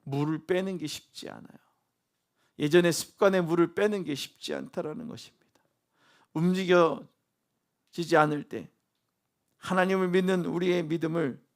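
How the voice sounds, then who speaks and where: A male pastor preaching a sermon. He asks the congregation questions and swings between loud emphasis and soft, near-whispered lines. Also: on the high side.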